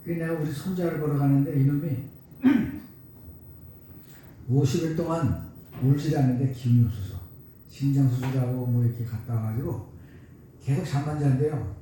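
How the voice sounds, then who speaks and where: A man in his seventies preaching a sermon as pastor, telling homely stories and rising suddenly to loud emphasis. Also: medium pitch, moderate pace, pauses often, slight background noise. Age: 70s. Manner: folksy storytelling with sudden loud rises. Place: church sanctuary. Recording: echoey church hall, mic far off.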